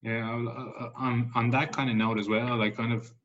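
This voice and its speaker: A man's voice: medium pitch, little pitch movement, normal speed, fairly bright tone, lo-fi sound. An Irish man interviewing in a casual sports chat, putting long, loosely built questions in a conversational way.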